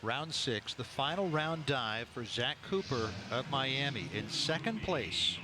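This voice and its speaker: This is a man giving live sports play-by-play, running through scores and standings with a factual announcer's delivery. He speaks a little slowly in an expressive, mid-range voice, and the noisy indoor venue can be heard around him.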